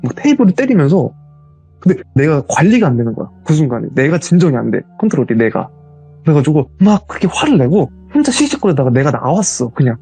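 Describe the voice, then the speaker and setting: A man telling his own ghost story as a guest, in a casual, animated retelling. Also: fairly high pitch, fast talker, husky, faint music behind.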